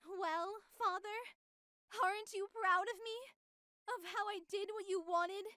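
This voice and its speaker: A woman's voice: very high-pitched, fairly even intonation, measured pace, pushed and bright, no room sound, clean studio sound, exaggerated voice. A woman voicing an unhinged, childlike artificial superintelligence in a horror visual novel, theatrical and grandiose, swinging between sweet and menacing. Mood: desperate, pleading. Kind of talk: scripted visual novel voice acting.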